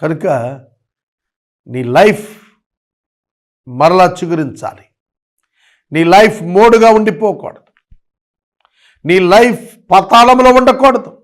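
A man preaching a sermon in a pleading, rhythmic style, repeating phrases and dropping into slow, emphatic English lines with a Telugu accent. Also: high voice, lively intonation. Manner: pleading, rising and falling emphasis.

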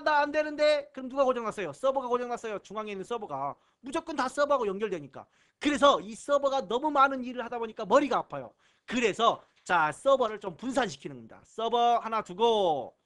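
A man's voice: very high-pitched, pushed and bright. A man giving a recorded exam-prep lecture on computer basics, repeating key terms and slipping jokey asides and puns between explanations. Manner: repeats key terms, often starting lines with "자". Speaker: computer certification instructor.

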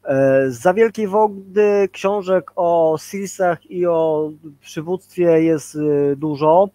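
A man in his forties speaks over a video call in a loose, rambling way, leaning on fillers and tag questions. His voice sits a little high, and the sound is very dry. It has a casual conversational feel. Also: takes it slowly, mellow, dry recording. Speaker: guest, leadership trainer.

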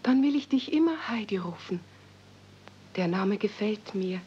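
A woman playing a gentle, lonely, well-bred twelve-year-old girl, speaking coaxingly in a 1970s radio play. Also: mid-range voice, expressive, a little slow, natural voice. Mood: friendly, coaxing. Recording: dull, humming, noisy old cassette transfer.

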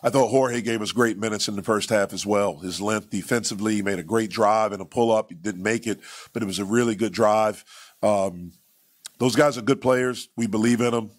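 A man in his forties, a basketball head coach answering reporters at a postgame press conference, speaking in a measured way with frequent "you know" and repeated phrases, into table microphones. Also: fairly low pitch. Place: press conference room with sponsor backdrop.

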